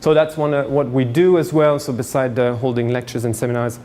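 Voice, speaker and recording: Male seminar lecturer, forties, raised in Canada. Halting, explanatory delivery at average pitch, over audible background noise. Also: fairly even intonation, mellow. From France, grew up in Canada. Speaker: university lecturer. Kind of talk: seminar lecture, informal introduction.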